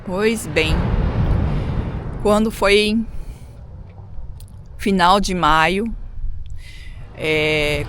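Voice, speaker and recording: A woman's voice: mid-range voice, noisy background. A middle-aged woman from Brazil with a Brazilian Portuguese accent, telling personal stories casually as a vlogger, conversational and often seeking agreement with tag questions.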